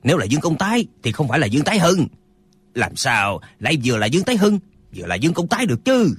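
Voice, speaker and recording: A man performs a stubborn old martial eccentric who squabbles and nitpicks over words, his delivery swinging up and down with a slightly husky edge in a dry, close sound. He argues as if every point were life or death. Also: a little high, very animated, quick pace, no echo. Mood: stubborn, quibbling. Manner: bickering, stubbornly arguing word meanings. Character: quarrelsome old male martial eccentric, pedantic.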